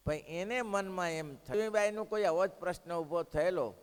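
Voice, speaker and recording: Animated male preacher in a reverberant hall. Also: sits high, brisk, clear, resonant tone. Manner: animated, shifting between loud exclamations and hushed quotes. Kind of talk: devotional sermon storytelling.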